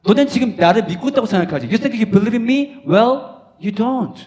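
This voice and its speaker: A man playing exasperated Jesus, loud, blunt, pleading, raised high voice. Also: animated, moderate pace.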